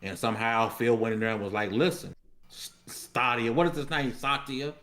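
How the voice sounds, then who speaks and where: A man with a medium-pitched voice talks on a gaming panel. He explains things casually and in a measured way, dropping in colloquial asides. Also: fairly even intonation, fairly bright tone.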